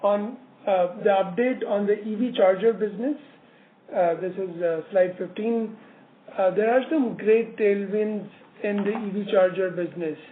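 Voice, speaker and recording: A man presenting company results as an executive on a business call, halting often with many filler words. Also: sits high. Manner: halting, hesitant delivery with frequent filler words. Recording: narrowband phone line, roomy echo, slight noise.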